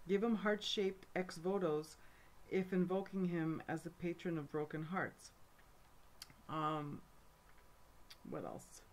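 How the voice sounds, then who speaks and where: A middle-aged woman from Montreal, Canada, speaks to camera in a fairly low, darkish voice. As a folk magic teacher she talks casually, wandering off into asides and leaning on plenty of fillers.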